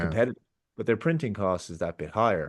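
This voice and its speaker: A man with an Irish accent and a fairly low voice, over a quiet background. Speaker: YouTuber, film critic and novelist. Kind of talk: podcast interview guest.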